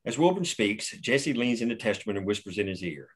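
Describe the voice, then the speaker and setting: A man's voice: lowish voice, lively intonation, a little fast, husky. A man reading stage directions at a script table read, plain and matter-of-fact.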